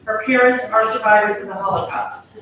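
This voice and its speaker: A woman's voice: mid-range voice, steady tone, a bit bright, a little hiss or hum. A woman hosting an event, reading out a formal introduction of the next speaker. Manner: measured, announcing speakers. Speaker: event host. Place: large lecture hall. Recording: echoey hall, mic from far off.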